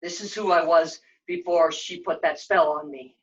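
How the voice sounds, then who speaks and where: A woman voicing a fatherly male knight in a puppet show, measured, earnest and reassuring. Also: sits low, steady tone, far from the mic, dull audio, pitched below the performer's own voice, close to an everyday voice. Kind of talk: live puppet show storytelling.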